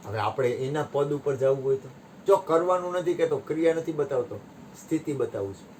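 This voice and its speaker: A man giving a satsang discourse, telling parables with sharp rises and drops in his voice. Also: on the high side, fairly quick, a little hiss or hum. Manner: animated storytelling, voice rising and dropping sharply. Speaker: spiritual teacher.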